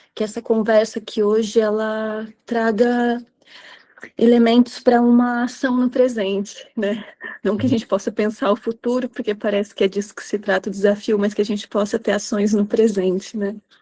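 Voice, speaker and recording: With a dark, mellow tone, a woman speaks at a fairly high pitch in monotone, flat intonation. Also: moderate pace. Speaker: university professor, philosopher. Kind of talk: academic lecture. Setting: online video call. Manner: volume tends to drop over time.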